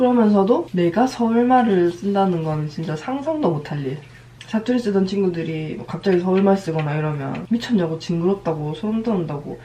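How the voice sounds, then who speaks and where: A woman talks at a fairly quick pace in a relaxed tone with lively intonation, over noticeable background noise. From Gyeongsang, South Korea. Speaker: vlogger. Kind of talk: vlog monologue.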